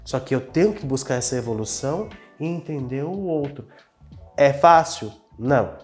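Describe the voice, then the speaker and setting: A man's voice: medium pitch, lively intonation, moderate pace, a little mellow, faint music behind. A man with a Brazilian Portuguese accent, a business owner sharing personal experiences in an earnest, casual conversation. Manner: earnest, personal, self-reflective storytelling.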